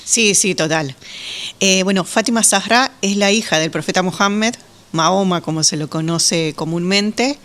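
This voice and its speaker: A woman from Uruguay, raised in Argentina, with a Rioplatense accent, answering radio interview questions calmly and explaining her views with many hesitant fillers. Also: medium pitch, normal speed. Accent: Rioplatense Spanish. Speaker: guest, Muslim women's association representative.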